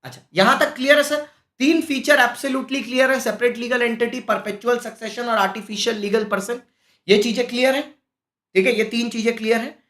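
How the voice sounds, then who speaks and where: A man teaching a live-streamed exam-prep class, animated and scolding, full of rhetorical questions. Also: very high voice, brisk. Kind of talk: lively live-streamed lecture. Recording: echoey room.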